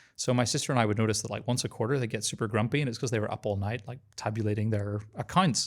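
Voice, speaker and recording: A man with a Northern Irish accent talks very fast at a medium pitch, with hardly any pauses. The recording is very clean, with a silent background. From Northern Ireland, Belfast. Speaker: tech executive. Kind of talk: interview. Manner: enthusiastic.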